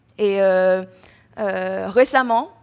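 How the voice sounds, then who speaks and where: At a very slow pace, a woman with a Chinese accent speaks with ordinary pitch variation. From China. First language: Chinese (speaking French). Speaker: student. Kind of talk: testimony. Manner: halting.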